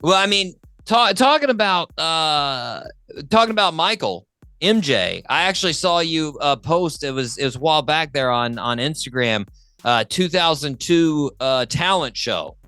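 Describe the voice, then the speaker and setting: A man's voice: fairly high pitch, expressive, measured pace, bright, forceful tone, clear, resonant tone, no echo. A man hosting a music interview in a casual, enthusiastic way, often repeating his phrases. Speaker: talk show host.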